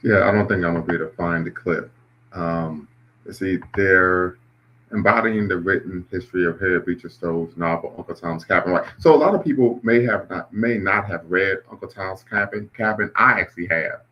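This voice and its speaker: A man's voice: sits low, moderate pace, dull audio, a little hiss or hum. A man hosting a live stream, reacting to clips and chat comments in a conversational way. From Ohio, US. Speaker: host.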